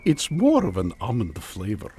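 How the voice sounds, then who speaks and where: An actor playing a blasé, retired older mad scientist with a dry, teasing manner in a comedy radio play. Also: male voice, lowish voice, wildly swooping pitch, moderate pace, mellow, husky, full character voice. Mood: dry nonchalance. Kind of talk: comedic radio drama acting. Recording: music behind the voice.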